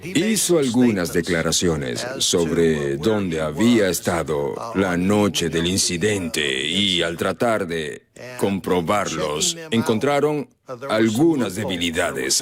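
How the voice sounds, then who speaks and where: A man, an investigator, describing a case in a documentary interview, stressing key words. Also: low voice.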